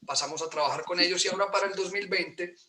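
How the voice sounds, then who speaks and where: A Colombian man in his forties with an Antioquian accent, hosting an online presentation in a warm, polite way, often pausing with fillers. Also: high voice. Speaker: host and real estate broker. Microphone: video call.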